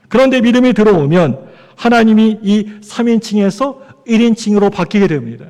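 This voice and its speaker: A male pastor with a high voice preaches an animated sermon, putting questions to the congregation. It was recorded in a church sanctuary with long hall reverb.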